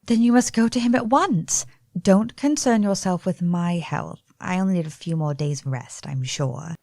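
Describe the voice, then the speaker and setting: An actress playing a frail young woman who sleepwalks, speaking softly in formal period English in a radio play. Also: fairly low pitch, moderate pace, no room sound, clean studio sound, lightly acted. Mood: gentle. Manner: soft, earnest, period-formal speech.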